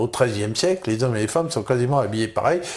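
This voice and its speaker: Ordinary pitch variation runs through the speech, with noticeable background noise behind it. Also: man. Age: 60s. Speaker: history lecturer. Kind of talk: studio interview explaining history. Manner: halting, many fillers and repetitions.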